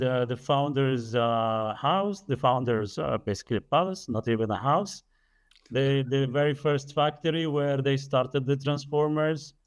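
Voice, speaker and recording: A man's voice: mid-range voice, clear, resonant tone. Earnest Arabic-speaking man explaining. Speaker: podcast guest, energy business developer. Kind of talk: conversational interview, explaining.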